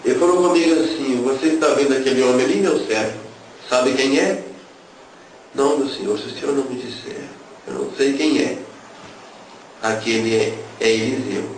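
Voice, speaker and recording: This testimony speaker is a man with a mid-range voice and a moderate pace. He recounts his story in an emotional religious testimony, acting out the dialogue, captured distantly in a noisy, echoey room.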